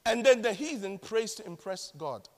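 A man with a Ghanaian accent preaching a sermon in a dramatic, animated way. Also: sits high, normal speed, in a large hall. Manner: dramatic, animated, mimics other pray-ers.

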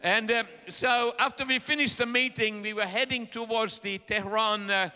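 A middle-aged man from Finland with a Finnish accent, preaching a sermon and interpreting in an earnest, halting way with many fillers. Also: sits high, fairly even intonation, sharp tone, clear, resonant tone. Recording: echoey hall.

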